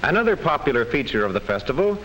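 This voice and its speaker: A man reading scripted classroom film narration in a measured, enunciated storytelling manner. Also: medium pitch, sing-song, fairly bright tone, rough recording. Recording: old classroom film soundtrack, faint hiss.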